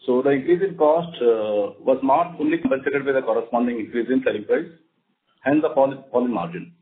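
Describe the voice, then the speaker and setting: A man with an Indian accent speaking formally and in a measured way as a company executive on an investor call. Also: medium pitch, a little hiss or hum. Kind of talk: prepared remarks and formal investor answers. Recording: narrow, phone-like conference line.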